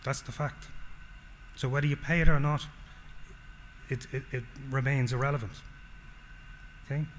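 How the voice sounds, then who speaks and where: A man's voice: medium pitch, steady tone, moderate pace, long pauses. An Irish man giving a technical presentation, explaining step by step and often checking in with the audience. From Ireland. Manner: explanatory, frequent "okay?" check-ins. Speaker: solutions engineer presenting. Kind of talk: conference presentation. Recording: long hall reverb, faint noise.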